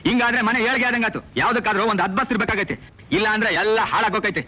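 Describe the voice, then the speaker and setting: An actor playing a bitter, grasping village son, speaking harshly and with scorn. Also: male voice, high voice, rapid-fire, bright, forceful tone, exaggerated voice. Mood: scornful. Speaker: greedy son demanding his share. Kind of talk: film drama acting. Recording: film soundtrack with music behind.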